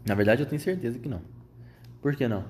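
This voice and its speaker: A man of medium pitch reading a storybook aloud to a child. He narrates plainly and asks the listener gentle questions between passages. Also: quick pace, a little hiss or hum.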